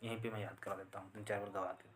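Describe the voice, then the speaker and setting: A man with a lowish voice teaching an online grammar class. He chants verb endings over and over in a sing-song drill and stops often to check in with a questioning "hmm?". A faint hiss sits under the recording. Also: little pitch movement, fast. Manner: explains patiently, asks "hmm?" often.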